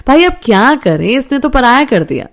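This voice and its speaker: A woman's voice: high voice, sing-song, normal speed, soft background music, pitched above the performer's own voice. A woman voicing a young man who jokes easily with his cousin and friend. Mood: joking.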